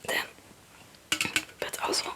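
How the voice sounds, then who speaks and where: A young ASMR creator whose native tongue isn't English whispers slowly, her tone bright and forceful. The chat is casual and rambling, and she often sounds unsure and self-deprecating.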